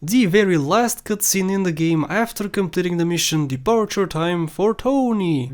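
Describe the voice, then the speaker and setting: Male countdown host, notably high voice, scripted gaming commentary. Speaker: video game countdown host. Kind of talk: scripted commentary over game cutscenes.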